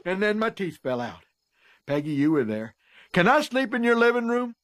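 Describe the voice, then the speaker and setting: A man's voice: high-pitched, very animated, moderate pace, a bit bright. A man voicing a sad, rambling middle-aged cartoon neighbor who whines about a bad dream. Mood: mournful. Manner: mournful, whiny recounting of a dream.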